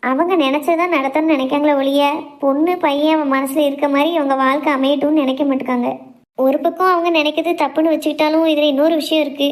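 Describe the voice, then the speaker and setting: A brisk, caring young friend, played by a woman. She talks fast and high, coaxing and reassuring. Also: little pitch movement, natural voice. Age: young adult.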